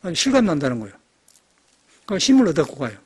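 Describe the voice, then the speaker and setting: An older man, a Buddhist monk, giving a lively, storytelling sermon in a temple hall. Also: on the high side, very fast, husky. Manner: animated storytelling, acting out shouted quotes.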